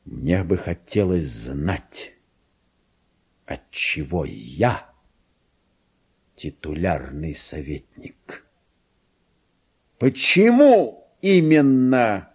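An actor playing a deluded, pompous petty government clerk slipping into madness, in a theatrical radio monologue that moves between hushed musing and shrill indignation. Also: male voice, very animated, extremely slow, long pauses, heavily acted. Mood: dreamy, secretive, then excited, indignant. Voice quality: husky, creaky. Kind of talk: theatrical radio monologue, diary read aloud.

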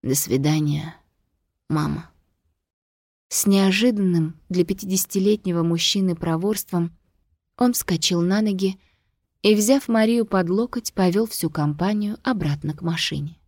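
A woman narrating a novel aloud in a calm, even reading voice. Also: on the low side, measured pace, no room sound, clean studio sound. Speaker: audiobook narrator.

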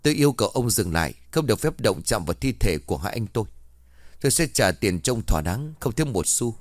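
A man's voice: on the low side, very animated, quick pace, no echo, clean studio sound. A man voicing an indignant middle-aged younger son in a ghost story, lecturing and reproachful. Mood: demanding.

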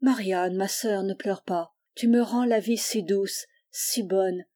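Sweet blind girl from a storybook, calm and patient, mellow soft voice, lady reading. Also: mid-range voice, slow pace, close to an everyday voice. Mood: gentle. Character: gentle blind young girl, pious and patient.

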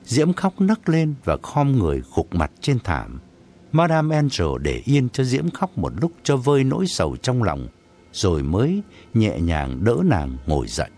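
A man narrating a story in an expressive, dramatic reading. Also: mid-range voice, measured pace. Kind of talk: audiobook narration.

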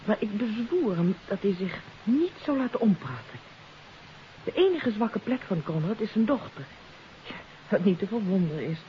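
An actress playing a troubled countess in a 1950s radio mystery, confessing earnestly and hesitantly. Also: female voice, medium pitch, sing-song, normal speed, natural voice. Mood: confiding. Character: troubled countess confessing her part in a kidnapping. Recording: hissy, dull 1950s radio recording.

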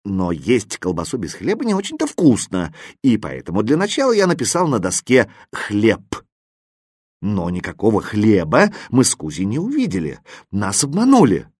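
A man giving expressive first-person storybook narration in a dry, close recording. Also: fairly low pitch, a little fast, few pauses, breathy edge, no room sound. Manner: lively first-person telling, voicing a boy. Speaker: audiobook narrator.

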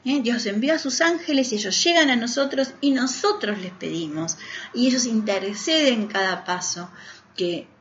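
A woman's voice: a little high, lively intonation, moderate pace, a little hiss or hum. A woman with an Argentine accent hosting a spiritual radio talk show, speaking earnestly and persuasively to the listener. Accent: Argentine Spanish. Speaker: radio host and author. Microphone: studio radio mic. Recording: roomy, dull AM radio broadcast.

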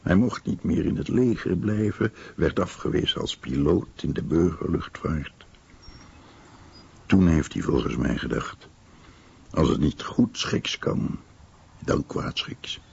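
A man speaking a translated account in a radio documentary, with a gravelly, husky voice. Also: rumbling low, lively intonation, slow pace, a little mellow. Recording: dull, muffled lo-fi audio.

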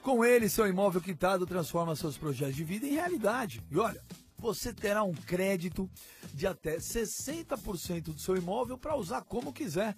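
A man's voice: sits high, lively intonation, moderate pace, faint music behind. A man voicing a radio commercial, chummy and salesman-like, repeating phone numbers and a website. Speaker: ad voice-over.

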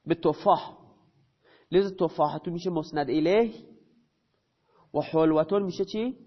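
In a fairly high voice, a man teaches a grammar lesson, asking himself questions and then answering them while repeating key terms slowly. The recording is dull and lo-fi.

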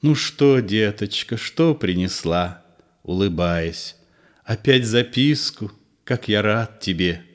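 A man voicing a gentle, soothing older man. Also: lowish voice, expressive, slow. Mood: tender. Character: gentle nervous middle-aged man, soothing. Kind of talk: audiobook play reading.

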